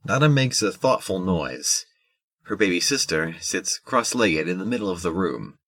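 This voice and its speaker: A man narrating a scripted audio drama in a measured, descriptive storytelling manner. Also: deep voice, animated, a bit bright, no echo.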